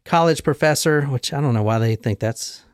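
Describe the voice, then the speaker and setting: A man's voice: medium pitch, normal speed, smooth, no room sound, clean studio sound. A man in his thirties hosting a casual true crime podcast, telling the case in a rambling, joking way with self-deprecating asides. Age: 30s. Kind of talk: casual chat.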